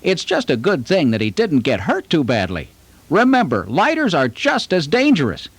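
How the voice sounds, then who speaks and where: A man's voice: on the high side, wildly swooping pitch, normal speed, husky, no room sound, full character voice. A man voicing a friendly puppet host who patiently explains fire safety to children in a puppet show. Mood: instructive. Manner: patient, instructive, talks to children.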